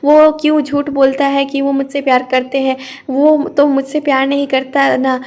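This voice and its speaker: A woman's voice: high voice, flat delivery, normal speed, a little mellow. A woman voicing an innocent young sister who pleads through sobs in an audio story. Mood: tearful. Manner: sobbing and pleading.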